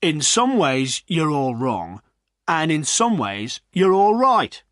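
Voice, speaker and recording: Man putting on a village innkeeper, firm, soothing, lively lilt. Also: on the high side, slow, no room sound, studio quality, voice pushed up, heavily acted. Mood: calming.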